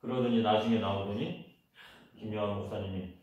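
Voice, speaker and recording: A man's voice: on the low side, fairly even intonation, a little fast, a little mellow, dull audio, a little hiss or hum. A man preaching a sermon as a pastor, telling a personal story and leading the congregation in repetition. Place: church. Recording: echoey church hall, voice from a distance.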